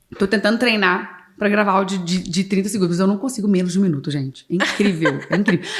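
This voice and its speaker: Over noticeable background noise, a woman talks at a very fast pace with an animated tone, ordinary pitch variation and very even loudness. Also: medium pitch for a woman. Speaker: lawyer and mediator. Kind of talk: podcast interview.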